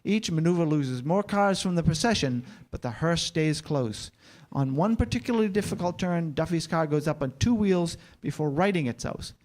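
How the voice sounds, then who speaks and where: A man reads scripted stage action as a narrator. His voice sits slightly high for a man, describing scenes in the present tense for a staged reading. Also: animated, moderate pace, darkish tone.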